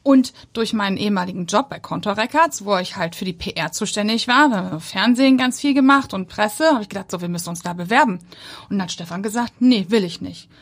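A woman's voice: mid-range voice, expressive, quick pace. A woman guest, a company co-founder, chatting in an interview and telling stories with acted-out quotes. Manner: chatty storyteller, acts out quotes. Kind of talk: casual interview chat.

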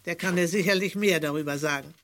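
A woman's voice: fairly low pitch, fast talker, fairly bright tone. An actress playing an obliging female museum archivist in a radio play. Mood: helpful. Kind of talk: 1970s-80s German radio play acting.

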